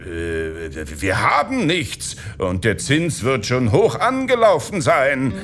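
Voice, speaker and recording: A man's voice: mid-range voice, wildly swooping pitch, takes it slowly, voice pushed up. A man voicing a flustered husband who hesitates and stammers as he reckons up sums.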